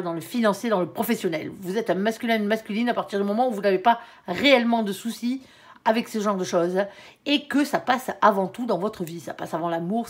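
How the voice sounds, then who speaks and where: A woman gives a relaxed, chatty tarot reading, her voice sitting a little high. Her nose is stuffed up, so everything comes out nasal. She keeps dropping small fillers at the ends of her phrases. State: stuffy nose, coming down with a cold. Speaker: tarot card reader. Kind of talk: casual tarot reading to camera.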